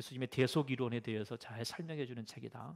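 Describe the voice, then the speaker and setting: A man talks at a moderate pace with medium pitch. He has an ordinary speaking voice. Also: very clean recording, silent background. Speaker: pastor teaching Bible study. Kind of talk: lecture.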